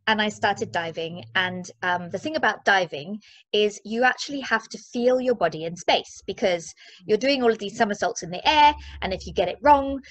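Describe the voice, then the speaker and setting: A woman in her forties from Zimbabwe, talking casually as an interview guest in a chatty, playful, expressive way. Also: medium pitch, dry recording. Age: 40s. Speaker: interview guest, mindset and movement coach.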